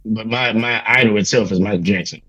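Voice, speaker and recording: Raspy man, thirties, singer from Louisiana, casual reflective chat, dry slightly muffled sound. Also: on the low side, fairly quick, sharp tone, no room sound. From Louisiana, United States. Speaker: singer, interview guest.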